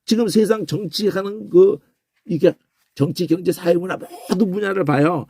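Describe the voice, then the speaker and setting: A man teaching a Bible word-study lecture, animated, often breaking into a questioning "eh?" and imitating crow calls and shouts. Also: high voice, moderate pace, husky, no room sound, studio quality.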